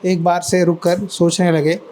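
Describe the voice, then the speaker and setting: A male pastor giving a sermon, telling a story with lively acted-out voices and asking the listeners questions. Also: high voice, measured pace, low-quality recording. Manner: asks the listeners questions and answers them.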